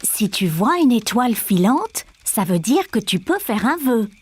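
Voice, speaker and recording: A woman playing a kind, encouraging young mother in a children's cartoon, speaking gently and reassuringly. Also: a little high, big pitch swings, a little slow, husky, dry recording, heavily acted. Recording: faint music under the voice.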